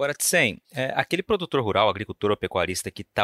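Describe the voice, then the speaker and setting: A man talks at a fairly quick pace. The sound is dry and close with no echo, on a very clean recording with a silent background. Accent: Center-West Brazilian. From Brazil, Mato Grosso do Sul (Campo Grande). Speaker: podcast host. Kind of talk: interview.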